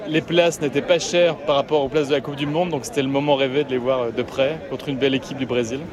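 Man, fan in street interview, crowd noise all around, mid pitch. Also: steady tone, quick pace. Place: outdoors in a city street. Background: crowd of fans.

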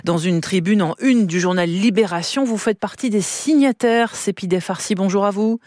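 A woman radio host gives a brisk scripted introduction and asks direct interview questions. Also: mid-range voice, darkish tone, dry recording, studio quality.

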